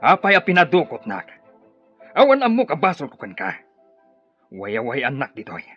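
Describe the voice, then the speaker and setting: An actor playing a proud captive tribal leader, indignant and challenging, with an Ilocano accent, in a radio drama. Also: male voice, mid-range voice, huge pitch swings, normal speed, faint music behind. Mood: defiant. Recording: muffled, band-limited radio drama recording.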